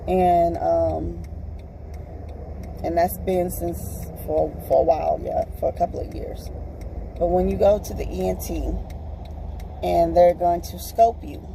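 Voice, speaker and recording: A woman with a raspy voice, chatting to viewers from her car in a rambling, chatty way. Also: on the low side, steady tone, unhurried, pauses often, warm tone, a little hiss or hum, poor audio. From Texas, US. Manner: rambling, chatty, calls viewers y'all and honey. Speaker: vlogger. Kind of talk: casual chat to viewers while driving. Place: in a parked car.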